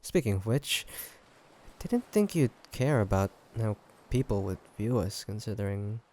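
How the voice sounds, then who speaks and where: Playing a teasing, loving human boyfriend out on a fancy date, this man fills an intimate one-sided audio drama with playful ribbing. His voice is lowish, expressive, and slightly gravelly, his delivery casual and halting, punctuated by chuckles and gentle teasing.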